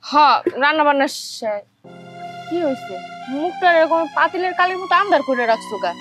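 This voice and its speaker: Woman acting a village wife, high voice, pleading and consoling, faint music behind. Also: lively intonation, a little fast, fairly bright tone. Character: devout caring village wife, middle-aged. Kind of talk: television drama acting.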